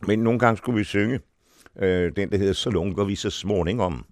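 An older man, an actor, telling stories from his life in an interview, in a deep voice and an unhurried storytelling way with small restarts. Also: dry recording, clean studio sound. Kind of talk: reminiscing in an interview.

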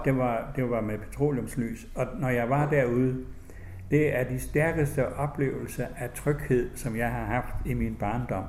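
An older man from West Jutland, an author, sharing childhood memories in a gentle, halting way and then reading slowly from his own book. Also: mid-range voice, reverberant. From West Jutland, Denmark. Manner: gentle, reflective, halting, with restarts; slow, measured reading voice.

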